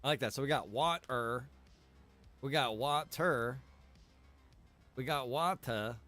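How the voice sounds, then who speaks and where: This gaming livestreamer talks at a slow pace in a mid-range voice that sounds pushed and bright. He keeps things playful and slangy with his viewers, calling them bro and dude, while music runs behind his voice.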